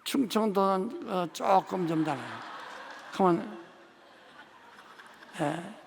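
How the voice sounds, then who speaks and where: Gravelly older pastor preaching in a hall. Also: male voice, high voice, takes it slowly, slight background noise. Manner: animated storytelling, acting out dialogue. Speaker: senior pastor. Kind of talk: sermon. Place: large church sanctuary. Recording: long reverb of a large sanctuary.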